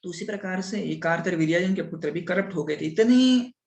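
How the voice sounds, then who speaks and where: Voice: medium pitch, steady tone, quick pace, creaky. A scripture teacher telling a story in a class. The teacher often switches into English and keeps checking with the listeners by asking "right?". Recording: roomy echo.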